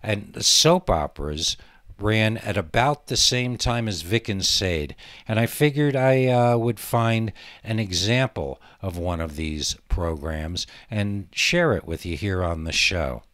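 A man talks through a solo podcast in a musing, halting way, drifting between digressions. His delivery is very slow and his voice fairly low. The sound is close and very dry. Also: fairly bright tone, dry recording. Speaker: podcast host. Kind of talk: rambling solo podcast monologue.

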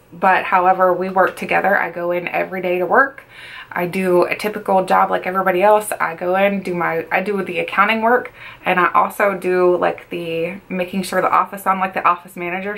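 Chatty woman vlogger, slightly low voice. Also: gravelly, fairly bright tone. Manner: chatty, repeats words for emphasis. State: feels she is losing her voice. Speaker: beauty vlogger. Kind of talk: casual get-ready-with-me chat. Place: small bedroom makeup setup, indoors.

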